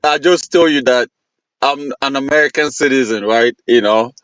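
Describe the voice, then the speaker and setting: A man's voice: medium pitch, normal speed, fairly bright tone, smooth, no room sound, dull audio. A man from Cameroon, a guest in a heated debate, deflecting questions defensively. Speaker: panel guest.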